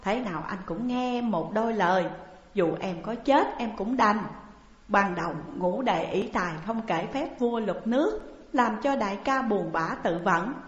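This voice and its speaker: A woman's voice: fairly high pitch, animated, a little slow. A woman voicing a young man who pleads tearfully with his elder sworn brother, in a storybook reading. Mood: pleading, tearful. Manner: pleading, plaintive. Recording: dull echoey hall recording.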